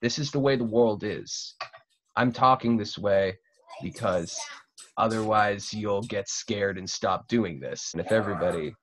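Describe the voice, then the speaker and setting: A man's voice: on the low side, a little slow. A man in his twenties hosting a casual conversation over a video call from a room at home. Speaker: host. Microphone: computer mic on a video call.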